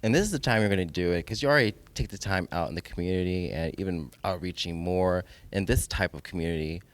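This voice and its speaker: A man hosting a podcast panel, encouraging his guests with quick affirmations. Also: low-pitched, dry recording. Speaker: podcast host. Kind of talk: casual panel chat.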